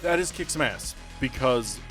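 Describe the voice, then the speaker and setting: A man's voice: medium pitch, animated, normal speed, a bit bright, soft background music. A man working as game master, narrating a tabletop game off the cuff and talking players through the action in a casual way.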